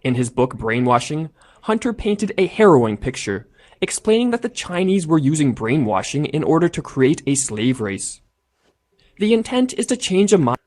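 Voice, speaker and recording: A man reading a scripted documentary narration in a measured, formal way. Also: fairly high pitch, big pitch swings, a little mellow. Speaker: narrator of an essay video.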